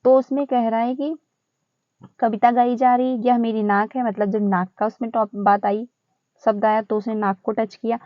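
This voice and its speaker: A woman explaining exam questions in a casual, chatty teaching style, repeating phrases and filling pauses as she goes. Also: a little high, fairly even intonation, no echo, muffled recording.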